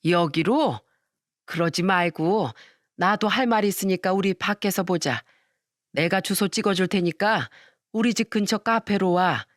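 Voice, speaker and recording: A woman voicing a greedy, scheming middle-aged mother-in-law who speaks slowly and coaxingly, close and dry. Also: mid-range voice, no echo, close to an everyday voice. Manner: slow, coaxing, self-pitying.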